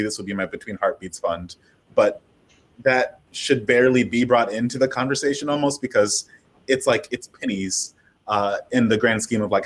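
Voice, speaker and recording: Husky guy on a casual panel, explaining stuff in a wordy way, lots of asides. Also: on the low side. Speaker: audio drama creator and panelist.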